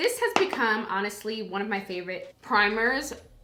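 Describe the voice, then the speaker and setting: Over music in the background and audible room echo, a woman speaks fairly slowly at a medium pitch. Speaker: beauty vlogger. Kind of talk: casual chat. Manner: loud; animated.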